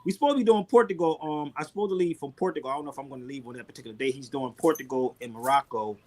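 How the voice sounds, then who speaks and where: A man's voice: medium pitch, very fast, darkish tone. A man telling loose, joking stories full of slang on a casual video call. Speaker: guest.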